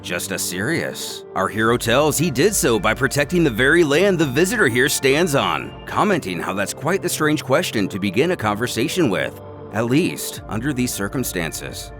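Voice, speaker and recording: A man's voice: medium pitch, very animated, normal speed, a bit bright. A man delivering scripted, dramatic narration of a story. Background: music.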